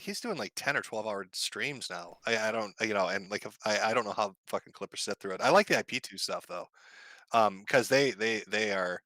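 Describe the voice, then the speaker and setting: A man's voice: fairly low pitch, sharp tone, no echo. A man in casual conversation who laughs often, swears, and keeps asking questions. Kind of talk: casual chat.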